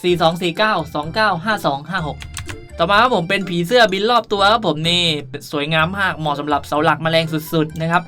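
A young man speaks in a bright, forward voice as a gaming channel host. He rambles playfully through a casual tutorial, with faint music behind him. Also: high-pitched, fast. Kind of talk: casual game tutorial commentary.

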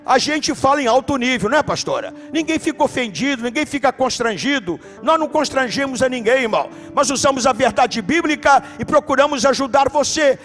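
Brazilian male pastor, very high voice, lively sermon with shouted emphasis, faint music under it. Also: a little fast, few pauses. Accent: Brazilian Portuguese. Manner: animated preaching, shouts for emphasis. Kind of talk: sermon with storytelling. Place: church.

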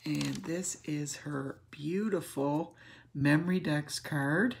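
A woman hosting a craft channel, gushing warmly over gifts as she unboxes them, emotional and sometimes dropping to a whisper. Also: deep voice, takes it slowly, gravelly, slight background noise. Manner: gushing and tender, often drops to a whisper. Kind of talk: casual gift unboxing chat.

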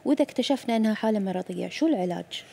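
A woman with a Gulf Arabic accent hosting a TV interview, asking brisk questions with short prompts. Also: medium pitch, animated, vocal fry, mellow. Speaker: TV show host.

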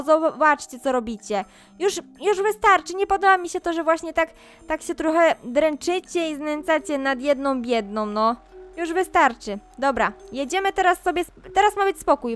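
A woman whose voice sits high and sounds fairly bright does roleplay commentary on a Roblox game. As a YouTuber acting the part of a mom scolding her kids, she speaks directly to her audience now and then.

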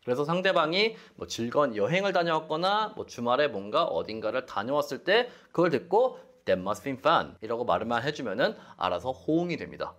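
A man's voice: medium pitch, big pitch swings, moderate pace, few pauses, a bit bright. A young man teaching English phrases, explaining them animatedly and acting out sample dialogues.

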